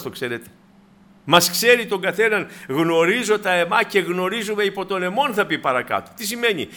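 A man preaching a sermon to his congregation, asking rhetorical questions and swinging between loud emphasis and hushed asides. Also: a little high.

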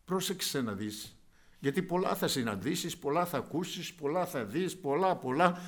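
A man preaching a fervent sermon, speaking directly to his listeners as brothers and swinging between quiet asides and loud outbursts. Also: on the high side, expressive.

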